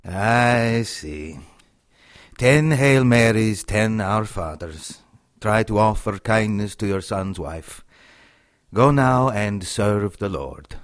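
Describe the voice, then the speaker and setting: An actor in a radio drama playing a righteous Catholic priest with a formal, measured delivery. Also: male voice, on the low side, lively intonation. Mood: solemn.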